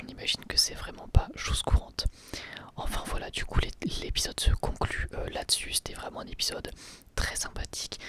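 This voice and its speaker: A man giving a whispered ASMR review, talking in a relaxed, rambling way with hesitant restarts. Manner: soft unvoiced whisper throughout.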